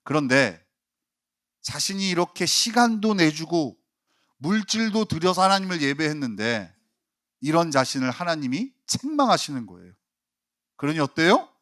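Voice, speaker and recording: A man preaching a sermon in a fairly high voice that swings widely in pitch. He performs the quoted complaints dramatically and builds to forceful peaks. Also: sing-song, moderate pace, long pauses. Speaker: pastor.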